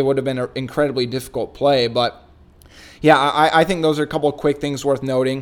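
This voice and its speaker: An unremarkable speaking voice is heard. The intonation stays fairly even. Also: man. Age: 20s. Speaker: sports beat writer. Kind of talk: casual chat.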